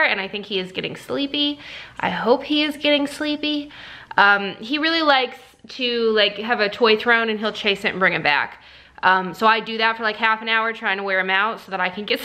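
A young woman chats casually into her camera at home, rambling through little updates with plenty of ums and likes. Her voice sits a little high and sounds bright and forward. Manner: chatty, many fillers, baby-talks to her puppy. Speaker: vlogger and small shop owner. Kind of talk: casual vlog chat. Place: home office.

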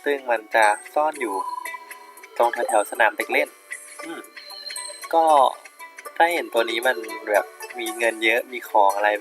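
A young man giving casual commentary on his gameplay, relaxed and thinking aloud with many fillers. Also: mid-range voice, measured pace, pauses often, poor audio. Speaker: gaming YouTuber. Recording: game music playing behind.

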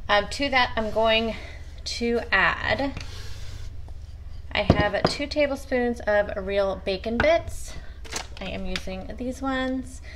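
A woman's voice: on the high side, slow, long pauses, background noise. A woman talking viewers through her weekly meal prep in a casual, chatty way as she works at her home kitchen counter. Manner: chatty, talks to viewers as "you guys". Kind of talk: casual cooking walkthrough.

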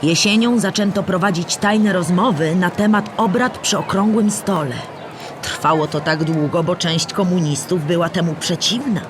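An actress plays a patient female storyteller in a children's audio play. She explains things in a clear, measured way, as scripted narration for young listeners. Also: on the low side, noisy background, natural voice. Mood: explanatory, patient.

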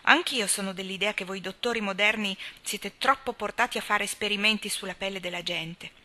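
A woman's voice: medium pitch, brisk, bright, forceful tone, lightly acted. A woman reading aloud, voicing a passionate, stubborn young woman who pleads and argues insistently. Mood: argumentative. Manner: impassioned, insistent. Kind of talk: audiobook character reading.

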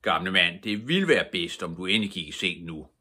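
A man voicing a proud, loud robber chief father in a storybook reading. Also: deep voice, expressive, full character voice. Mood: gruff impatient.

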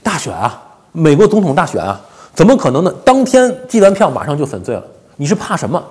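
一位四十多岁、带北方普通话口音的男性，用口语化的方式做时政评论，常用反问和“对不对”之类的追问。. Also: male voice, on the high side, wildly swooping pitch, brisk, a little mellow. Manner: colloquial, rhetorical questions, frequent tag questions. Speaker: commentator, host of a daily show. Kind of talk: informal political commentary. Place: small indoor home office. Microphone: lapel.

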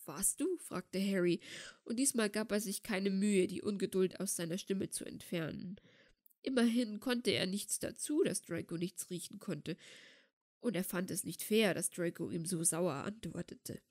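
Woman, audiobook narrator, calm steady reading, middle pitch. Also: normal speed, no echo, clean studio sound. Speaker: audiobook reader. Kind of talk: fan fiction audiobook narration.

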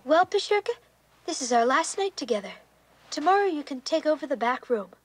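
A woman voicing a blunt, teasing child in a family cartoon, with a husky voice. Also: high voice, sing-song, brisk.

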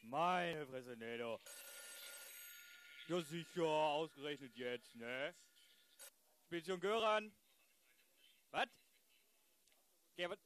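A man's voice: a little high, animated, takes it slowly, pauses often, a bit bright. A man playing a grumbling, colloquial, exasperated haulage driver in an improvised audio drama. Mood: grudging. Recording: faint background noise, ambience.

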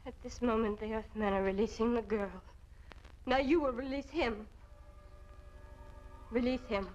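A woman's voice: on the high side, unhurried, lightly acted. An actress playing a devoted, resolute alien moon woman, earnest and formal in 1950s B-movie style. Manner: earnest, formal, uncontracted phrasing. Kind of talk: 1950s science fiction B-movie acting. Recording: dull old film soundtrack, loud music.

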